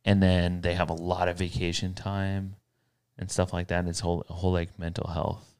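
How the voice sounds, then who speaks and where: Deep, smooth-voiced man hosting a podcast. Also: completely flat delivery, moderate pace, darkish tone. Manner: rambling, self-correcting, upbeat. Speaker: podcast co-host. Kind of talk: casual podcast chat. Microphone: studio podcast mic.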